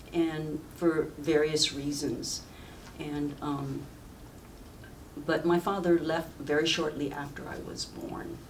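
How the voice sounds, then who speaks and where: Over noticeable background noise and audible room echo, a woman with an American accent speaks very slowly in a very deep, low, monotone, flat voice, pausing long and often while her loudness swings widely. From southern China, then US. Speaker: oral history interviewee. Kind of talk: oral history interview. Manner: hesitant, many fillers.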